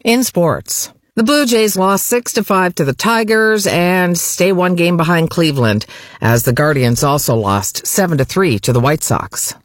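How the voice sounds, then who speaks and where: A woman reading a local radio newscast in a crisp, practiced way. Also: fairly low pitch, unhurried, no echo, clean studio sound. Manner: crisp, lively newsreader delivery. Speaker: local radio news anchor. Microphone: studio microphone.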